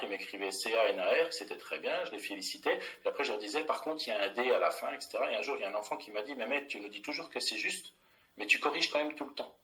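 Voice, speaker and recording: A man's voice: fairly low pitch, a bit bright, poor audio. A middle-aged man, a primary school teacher, explaining a classroom method in a plain, methodical way with many fillers and restarts.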